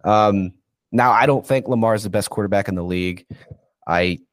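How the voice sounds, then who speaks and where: A man's voice: fairly low pitch, normal speed, no room sound, clean studio sound. A man with a stuffy, congested voice from being sick, talking football as a podcast guest and going off on long, rambling rants. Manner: rambling, goes on rants, says "dude". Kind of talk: casual podcast chat.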